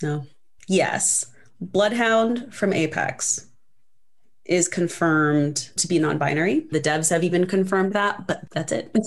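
At a fairly slow pace, a woman speaks in an unremarkable speaking voice with fairly low pitch and ordinary pitch variation. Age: 30s. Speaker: game developer and streamer. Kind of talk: casual interview chat. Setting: live stream.

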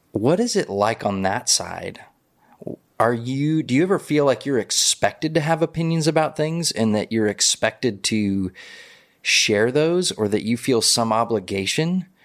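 A man with an American accent speaks at a moderate pace and medium pitch, with lively intonation. It is a normal speaking voice in a very clean recording with a silent background. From Montana. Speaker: pastor. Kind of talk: casual chat.

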